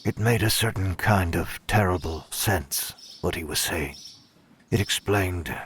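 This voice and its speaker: Audio drama interrogator, not human. Very deep, deliberate, controlling, chilly formality, very slow delivery. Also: male voice, fairly bright tone, slight background noise. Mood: brooding, controlled. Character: cold, controlling inhuman interrogator who oversees mortals. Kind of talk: audio drama with first-person narration.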